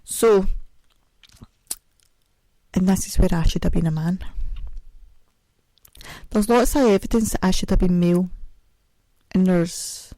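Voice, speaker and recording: A woman's voice: measured pace, pauses often, dark tone, no room sound, poor audio. A woman hosting a podcast in a casual, self-mocking ramble, speaking carefully around a sore mouth after dental work. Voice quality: deep voice. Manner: chatty, self-mocking, sings snatches. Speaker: podcast host. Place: home, audio only.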